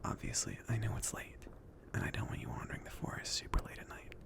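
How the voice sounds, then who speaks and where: A man playing a chill, considerate mage in an ASMR fantasy roleplay, speaking softly in a casual, hesitant, reassuring way. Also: fast, close to an everyday voice. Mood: gentle, reassuring. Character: chill, considerate mage sending an apprentice on errands.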